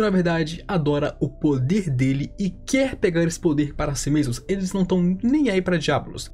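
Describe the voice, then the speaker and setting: A young man narrates anime lore in an emphatic explainer voice, and his slightly raised pitch sits over a mellow, warm tone. He keeps adding little asides as he goes. Faint background music runs under his voice. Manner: emphatic, frequent asides like "claro" and "obviamente". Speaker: anime lore channel host. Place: small home studio room. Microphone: large studio mic beside him.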